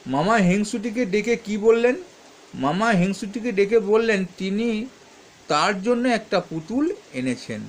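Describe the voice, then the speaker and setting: A man's voice: sits high, animated, measured pace, slight background noise. A man teaching, reading questions aloud and answering them step by step, stopping often to correct himself. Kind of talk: explaining textbook answers.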